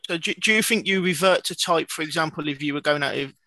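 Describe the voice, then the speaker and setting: A man's voice: on the high side, fast talker, sharp tone, no room sound. A man co-hosting a podcast in casual chat, probing with questions and repeating words as he restarts. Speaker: podcast co-host.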